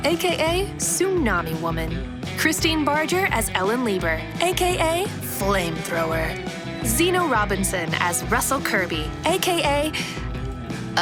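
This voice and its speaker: A woman giving theatrical, announcer-like scripted narration for a fiction podcast. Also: a little high. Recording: loud music behind the voice. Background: loud music.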